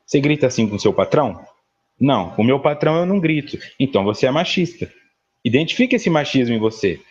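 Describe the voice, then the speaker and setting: A man's voice: on the high side, darkish tone, dull audio. A male psychologist leading a spiritual study class, explaining a text in a conversational way and often checking in with his listeners. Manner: conversational, frequent "tá?" tag questions; explains a read text with everyday examples.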